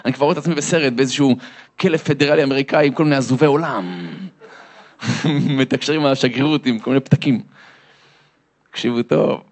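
A man's voice: medium pitch, long pauses. A man, a lecturer, telling a comic story to an audience and acting out the voices and sounds in it.

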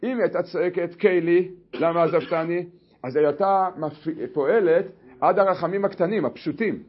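A man teaching a Torah lesson, telling the story in an animated way with many restarts. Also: sits high, breathy edge, dull audio. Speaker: religious teacher.

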